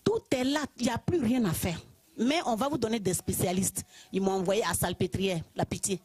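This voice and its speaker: A woman from Côte d'Ivoire with an Ivorian French accent, telling her personal testimony in church in a lively way, often laughing. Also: mid-range voice, normal speed, husky, dry recording. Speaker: church member giving testimony.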